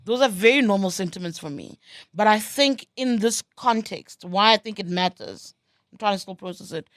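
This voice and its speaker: A woman's voice: mid-range voice, no room sound. Casting: woman, candid and composed interview answer, close dry recording. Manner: measured, candid and self-assured. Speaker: guest in a played interview clip.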